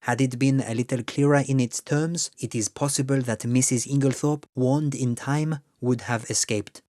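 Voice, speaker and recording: A man reading scripted fiction as an audiobook narrator, with a measured, dramatic storytelling delivery. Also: medium pitch, steady tone, mellow, no room sound, clean studio sound. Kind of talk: scripted literary narration, voice reel.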